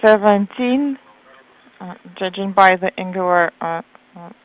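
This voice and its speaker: A woman with a mid-range voice interprets flight control talk live, her translation voiced over an audio loop. She speaks a little slowly, hesitant and full of filler sounds as she renders the controllers' words. The sound is a narrow, phone-like radio loop.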